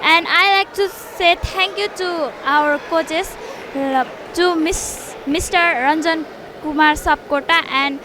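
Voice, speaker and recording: A woman's voice: very high-pitched, slow pace. A young woman from Nepal, a karate athlete, hesitantly thanking her coaches with simple phrasing and fillers. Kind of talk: spoken thank-you statement to camera. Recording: noisy background with passing vehicles.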